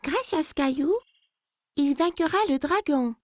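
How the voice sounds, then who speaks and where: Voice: high voice, unhurried, no room sound. An actor voicing a playful, imaginative little girl with a childlike voice in a children's cartoon. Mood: fond.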